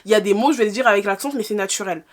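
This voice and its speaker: A woman's voice: mid-range voice, rapid-fire. A young woman in her twenties, raised in France, answering viewer questions in a casual vlog, frank and exasperated, with rhetorical questions. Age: 20s.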